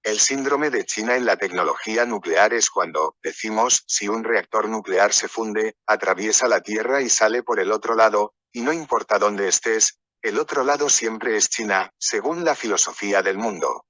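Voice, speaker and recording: A man teaching a workshop in a loose, storytelling manner, wandering from one anecdote to the next. His voice sits low but has a bright, forceful edge. The sound is dry, with no room reverb. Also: moderate pace, few pauses. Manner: rambling, anecdotal, conversational. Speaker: workshop speaker. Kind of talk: storytelling lecture.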